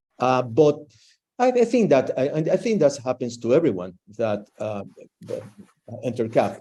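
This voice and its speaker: With a Spanish accent, a man speaks in a dark, mellow tone with ordinary pitch variation. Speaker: spiritual community member. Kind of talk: interview. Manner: halting.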